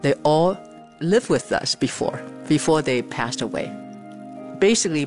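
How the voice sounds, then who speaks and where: Older woman from Taiwan, soft guitar behind. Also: extremely low pitch. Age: 70s. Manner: earnest, plain-spoken, with frequent pauses and fillers. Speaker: interviewee. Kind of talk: personal interview monologue.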